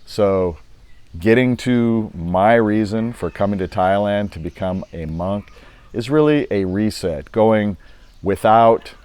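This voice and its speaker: A man's voice: on the low side, takes it slowly, darkish tone, clear, resonant tone, dry recording. An older man, recently retired, talking casually to camera in a rambling, easygoing way with many fillers. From United States. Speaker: vlogger.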